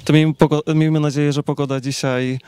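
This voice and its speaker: Clear, higher-voiced young male reporter. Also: little pitch movement, quick pace, darkish tone, no room sound. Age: 20s. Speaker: TV reporter interviewing. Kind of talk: on-location interview questions. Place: outdoors in a garden with trees. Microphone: handheld reporter microphone.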